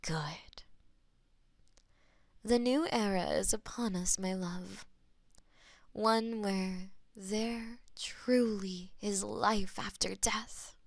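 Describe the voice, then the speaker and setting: Woman voicing a slow, creaky, possessive goddess of death. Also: medium pitch, no room sound, studio quality. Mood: intimate, longing. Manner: slow, intimate, breathy murmurs slipping into whispers. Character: possessive, lovestruck goddess of death, tender and brooding. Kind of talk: scripted romantic audio roleplay.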